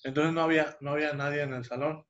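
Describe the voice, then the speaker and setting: A man's voice: fairly high pitch, steady tone, quick pace, a bit bright. A young man tells a personal story on a podcast, rambling with restarts and fillers. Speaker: podcast co-host. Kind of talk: casual storytelling. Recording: dull lo-fi sound.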